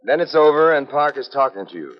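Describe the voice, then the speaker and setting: A man's voice: a little high, animated, a little fast, close to an everyday voice. A man playing a wisecracking hardboiled private eye. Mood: cool. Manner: wisecracking, clipped tough-guy delivery. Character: hardboiled male private eye narrator, wry and tough. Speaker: detective lead and narrator. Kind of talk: 1950s radio drama acting. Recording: muffled old radio transcription with music.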